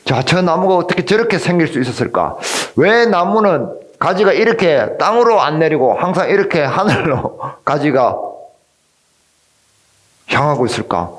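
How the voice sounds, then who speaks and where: Male pastor, sermon, chatty, quizzes the congregation, animated pitch. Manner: conversational, keeps asking the congregation questions. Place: church.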